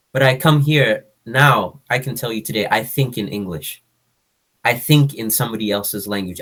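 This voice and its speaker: A man speaks at a moderate pace with a medium pitch. His pitch varies in an ordinary way. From Canada (Saskatoon), moved from Ethiopia at age four. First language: Afan Oromo. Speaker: youth community member, language teacher assistant. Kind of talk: casual interview. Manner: hesitant, many fillers.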